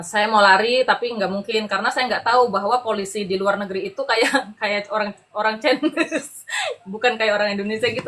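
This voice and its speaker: A middle-aged woman telling her personal story as a podcast guest in an animated, chatty way, laughing often and acting out the voices of the people she quotes. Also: a little high. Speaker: podcast guest giving a testimony. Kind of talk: conversational storytelling.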